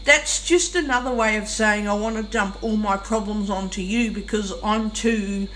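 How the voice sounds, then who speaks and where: A woman's voice: mid-range voice, fairly even intonation, moderate pace, a bit bright. A woman venting in an exasperated, casual monologue while eating, her mouth sometimes full. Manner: exasperated, complaining. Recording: roomy, noisy, far from the mic.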